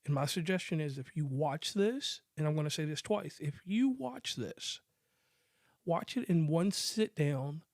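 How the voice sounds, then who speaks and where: Higher-pitched American man, casual podcast host. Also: normal speed, few pauses, darkish tone, no room sound, clean studio sound. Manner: rambling, joking, informal slang. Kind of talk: casual movie review chat.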